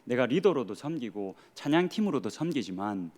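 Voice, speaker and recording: A man's voice: medium pitch, big pitch swings, moderate pace, a little mellow. A man in his thirties, a pastor with a Gyeongsang Korean accent, preaching a sermon earnestly with rhetorical questions and dry humor. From Gyeongsang region of Korea.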